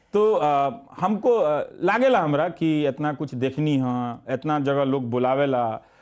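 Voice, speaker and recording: Here a man with an unremarkable speaking voice, fairly high in pitch, speaks with lively intonation. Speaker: journalist. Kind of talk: interview answer.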